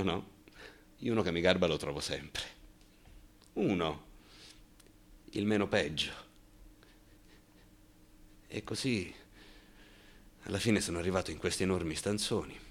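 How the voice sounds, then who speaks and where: Low, tense, anxious gay man. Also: a bit bright. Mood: tense, wry. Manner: confiding, halting and repetitive, breaking into bitter outbursts. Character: anxious, bitter gay man recalling his terrified youth at army call-up. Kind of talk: theatrical radio monologue.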